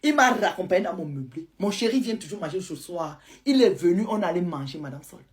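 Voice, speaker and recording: A woman, telling a listener's story to her audience in a lively, dramatic way. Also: lowish voice, fairly quick. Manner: lively, retells a follower's account in first person. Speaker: storyteller host.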